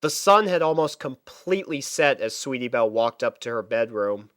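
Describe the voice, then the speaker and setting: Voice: mid-range voice, lively intonation, normal speed, fairly bright tone, dry recording, clean studio sound. A storyteller reading scripted fiction narration. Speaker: storyteller, fan fiction reader.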